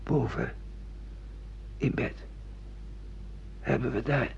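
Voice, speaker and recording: An actor playing an irritable, disoriented husband who questions everything in a radio drama. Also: male voice, mid-range voice, slow, creaky, a little hiss or hum. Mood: reluctant, questioning. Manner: querulous, questioning, exasperated. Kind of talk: radio play acting in Dutch. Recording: dull, muffled radio drama recording.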